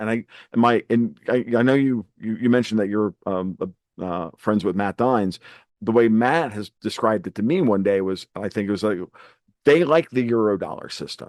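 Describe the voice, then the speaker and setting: A plain, everyday voice at a moderate pace, with ordinary pitch variation. The sound is dry and close with no echo against a quiet background. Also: man, medium pitch for a man. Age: 50s. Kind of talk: casual chat.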